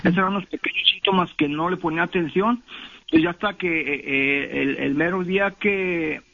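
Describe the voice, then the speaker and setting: Halting male caller on tinny phone. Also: sits high, gravelly, husky. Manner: halting, many fillers and restarts. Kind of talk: telling a personal story on a call-in show.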